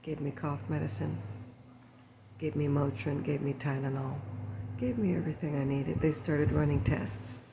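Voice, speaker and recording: A woman, telling a story in a soft, unhurried ASMR chat to viewers and drifting into whispers, while sitting at home. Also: low-pitched, steady tone, background noise. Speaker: ASMR channel host.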